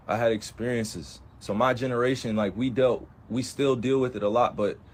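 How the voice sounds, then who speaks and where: A young man speaking with passion on a livestream, emphatic and full of repeated rhetorical questions. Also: mid-range voice. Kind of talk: impassioned livestream talk.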